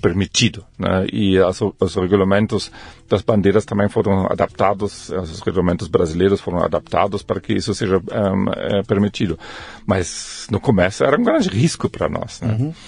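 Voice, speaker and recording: A man with a German accent speaks at a moderate pace. His fairly low voice sounds somewhat breathy. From Germany, Berlin. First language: German (speaking Portuguese). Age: 50s. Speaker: fintech founder and CEO. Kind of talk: interview. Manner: halting, many fillers.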